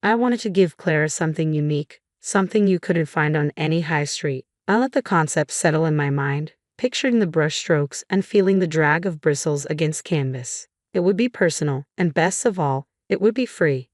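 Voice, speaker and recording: Female story narrator, low register, close and dry, steady with a wry edge. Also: no echo. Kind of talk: first-person story narration.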